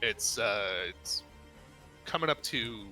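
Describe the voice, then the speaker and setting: A man running a tabletop role-playing game, his voice bright and forward. He talks in halting, rambling bursts full of fillers, with faint music playing behind him. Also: fairly low pitch, animated. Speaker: dungeon master.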